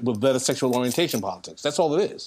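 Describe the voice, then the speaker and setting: Here a man speaks at a very fast pace in a New York accent. His pitch is medium, with ordinary variation. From New York City. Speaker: political commentator. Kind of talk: interview.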